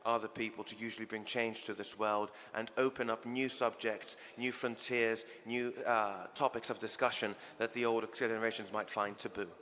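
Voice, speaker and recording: A man's voice: fairly low pitch, flat delivery, normal speed, few pauses, a bit bright, long reverb tail. A young man speaking as a panelist in a youth discussion, confident and rhetorical in how he builds his points. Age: young adult.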